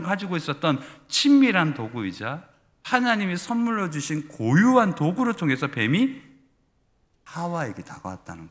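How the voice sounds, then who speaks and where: A man with a Gyeongsang accent speaks at a moderate pace with very wide pitch swings. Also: very clean recording, silent background. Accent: Gimcheon (Gyeongsang) dialect. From South Korea, Gimcheon (North Gyeongsang). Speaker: pastor. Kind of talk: sermon. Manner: speeds up when excited.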